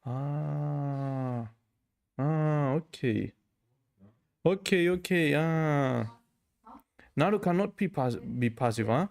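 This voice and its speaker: Inquisitive higher-voiced man. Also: animated, extremely slow, vocal fry, long pauses, a little mellow. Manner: inquisitive, repeats "yeah, yeah". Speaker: language learner and channel host. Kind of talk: casual lesson chat.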